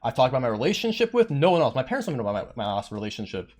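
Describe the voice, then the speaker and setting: A man's voice: medium pitch, big pitch swings, racing, darkish tone. A young man streamer telling a rambling, blunt and profane story in a rant. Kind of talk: ranting storytime.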